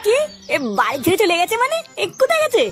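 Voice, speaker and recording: A woman voicing a hungry, demanding son in a comedy cartoon, with a pitched-up, whiny voice. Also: big pitch swings, fast talker. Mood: dismayed. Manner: whiny, insistent. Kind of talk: comic cartoon dialogue. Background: faint music.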